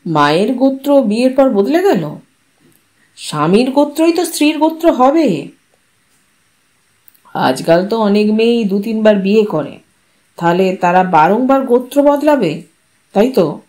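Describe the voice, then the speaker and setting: A woman's voice: on the high side, very animated, unhurried, pauses often, darkish tone. Audiobook part: woman voicing a blunt defiant son, terse and questioning. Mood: challenging. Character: blunt grown son defying a ritual, man.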